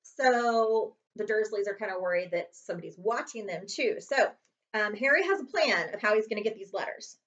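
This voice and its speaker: A woman's voice: medium pitch, lively intonation, moderate pace, fairly bright tone, dull audio. A woman reading a children's chapter book aloud as a librarian would to students, expressively and with dramatic emphasis.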